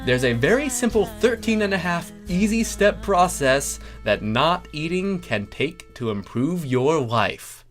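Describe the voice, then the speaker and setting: A man's voice: very animated, unhurried, hardly any pauses, faint music behind. A man voicing a bombastic, zealous brute who preaches grandly like a door-to-door salesman in a comic story. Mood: smooth, persuasive. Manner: booming, declamatory, grandly persuasive.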